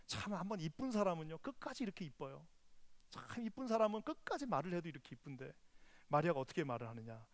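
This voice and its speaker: A male pastor preaching a sermon in an emphatic way, swinging between loud pleading passages and hushed near-whispers. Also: fairly high pitch.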